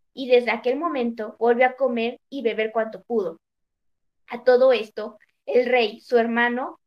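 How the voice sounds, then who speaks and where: A woman narrating an old storybook tale in a measured, even reading. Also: a little high.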